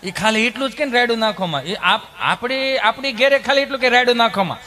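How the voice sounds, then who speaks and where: A man with a Kathiawadi Gujarati accent telling comic stories in a stand-up set, animated and mimicking the people in them. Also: very high voice, brisk, a little hiss or hum. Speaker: stand-up comedian. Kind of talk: stand-up comedy storytelling.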